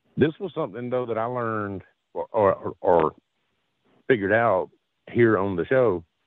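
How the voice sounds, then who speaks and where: With a Southern US accent, the voice rises and falls with ordinary pitch variation. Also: man. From Alabama, US South. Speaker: coyote hunter. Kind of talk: casual chat. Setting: phone call.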